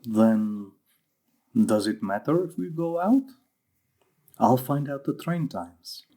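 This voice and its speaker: An actor playing a gentle, courting foreign man who is learning English and searches for his words. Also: medium pitch, lively intonation, takes it slowly. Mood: hesitant, hopeful. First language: not English, a learner of English.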